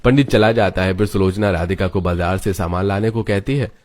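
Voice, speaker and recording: Guy narrating a cartoon story, low and matter-of-fact. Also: steady tone, fairly quick, darkish tone.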